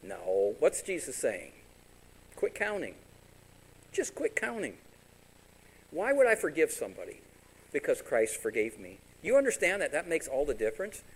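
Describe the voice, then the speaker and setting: A man preaching a sermon as pastor, animated and direct, sometimes voicing imagined congregants. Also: mid-range voice, brisk, breathy edge, low-quality recording.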